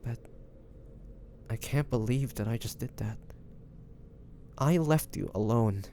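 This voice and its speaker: A male actor plays a tender, protective young man in a fantasy romance audio drama. His voice is mellow and dark with a creaky edge. He speaks haltingly and earnestly, heavy with feeling. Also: mid-range voice, a little hiss or hum. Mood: guilty, breaking. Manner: halting, emotional, pleading, with pauses and sighs. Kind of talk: intimate romantic roleplay audio drama acting.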